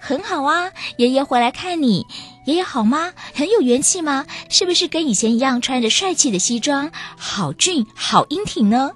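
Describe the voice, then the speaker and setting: A woman's voice: on the high side, big pitch swings, moderate pace, breathy edge, soft background music, pitched above the performer's own voice, heavily acted. A woman voicing a caring, eager young granddaughter in a radio story. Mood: eager, coaxing. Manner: bright, eager, coaxing.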